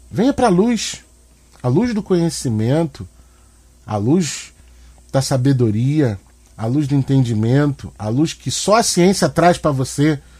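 On a very clean recording with a silent background, a man with a fairly high pitch talks very slowly, his dark, mellow tone somewhat breathy and his intonation lively. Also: long, frequent pauses. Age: 40s. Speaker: podcast host and public school teacher. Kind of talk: solo podcast monologue. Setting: at home. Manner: casual and conversational.

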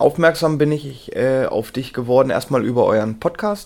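A man with a plain, everyday voice. His pitch sits fairly high and his pace is moderate. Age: 30s. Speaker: triathlete. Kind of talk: interview.

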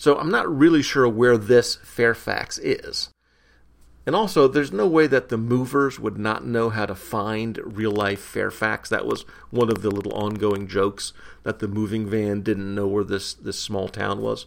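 Speaking at a moderate pace with ordinary pitch variation, a man uses an unremarkable speaking voice in an American accent, and the recording is very clean with a silent background. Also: medium pitch for a man. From US, suburban Maryland near Washington DC. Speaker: podcast host, comic book reviewer. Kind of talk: solo podcast review and listener feedback reading.

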